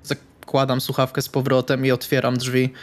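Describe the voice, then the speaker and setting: A man's voice: mid-range voice, completely flat delivery, moderate pace. A man playing a tabletop role-playing game, describing what his character does.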